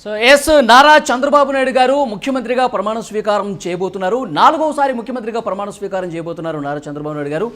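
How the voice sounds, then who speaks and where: A man's voice: sits high, quick pace, few pauses, fairly bright tone. A man giving live news reporting and political analysis, repeating points and often starting phrases with "so".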